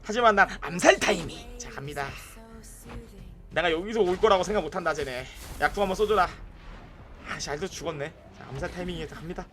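A young adult man gives excited, high-pitched live commentary on a mobile game at a fairly quick pace. He yells at teammates in bursts and chats with viewers while faint music plays behind him.

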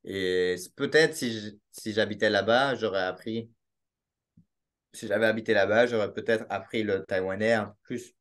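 A young man from Belgium, speaking with a Belgian French accent, joins a podcast by video call from a small room at home, talking casually and hesitantly with many restarts and fillers. His voice is on the low side, at a moderate pace and fairly bright in tone, picked up by a laptop webcam mic.

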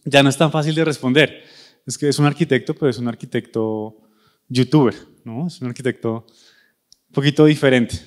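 A young architect from Bogotá, speaking Bogotá Colombian Spanish, gives a conversational university talk on a large, dark auditorium stage, addressing students directly. He holds a handheld microphone. His mid-range voice is brisk, with fairly even intonation.

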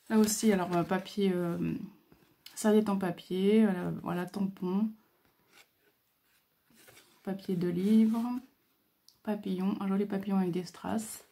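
A woman hosting a casual craft video, talking hesitantly with many fillers and pauses as she admires what she shows. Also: medium pitch. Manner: admiring, soft-spoken. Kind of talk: casual show-and-tell.

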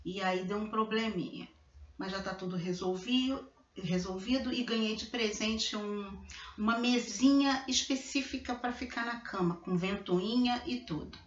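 A woman's voice: mid-range voice, a little slow, slight background noise. A woman in her fifties from Brazil, chatting casually to her laptop camera at home as a beauty vlogger. She repeats words and often adds little tag questions. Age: 50s. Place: living room at home, indoors. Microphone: laptop webcam. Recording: roomy, dull lo-fi webcam sound.

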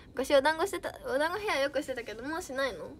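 A young woman idol chatting casually on a livestream, reading out viewer comments with bubbly giggles. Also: sits high.

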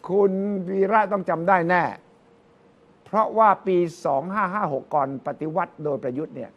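An older man analysing politics in a casual discussion, telling stories and quoting others in lively voices. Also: high-pitched, moderate pace, lo-fi sound. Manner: animated storytelling, quotes others in lively voices. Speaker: political commentator.

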